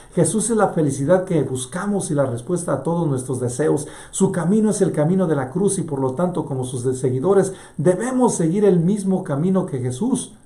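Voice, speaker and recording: Male priest, sermon; fervent, rises loud then drops to a hush; warm gravelly voice, roomy echo. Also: fairly high pitch. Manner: fervent preaching that swings from loud to hushed.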